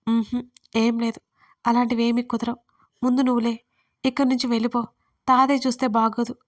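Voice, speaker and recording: A guarded young woman, tearful and doubtful about love, pleading to be left alone, as a woman storyteller reads her in an audio story. The voice is fairly high with a narrow, level melody. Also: flat delivery, brisk, recorded from a distance, natural voice. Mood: brushing off.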